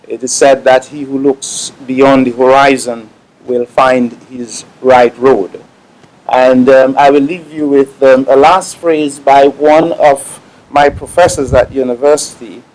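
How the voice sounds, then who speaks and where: Man, formal opening-ceremony speech, slow delivery, halting with fillers. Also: mid-range voice, fairly even intonation, a little mellow, poor audio. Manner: measured, with many pauses and fillers.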